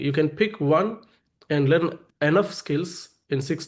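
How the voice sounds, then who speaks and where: Speaking with an Indian accent, this man's pitch varies in an ordinary way. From India, Telangana (Suryapet near Hyderabad). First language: Telugu. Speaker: IT academy founder and trainer. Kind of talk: webinar presentation. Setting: online webinar.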